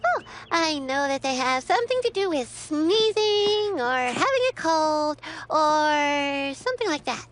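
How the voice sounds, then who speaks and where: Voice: high voice, sing-song, unhurried, hardly any pauses, noisy background. An actor voicing a sweet, eager little cartoon girl with a childlike, hesitant way of repeating words. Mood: helpful.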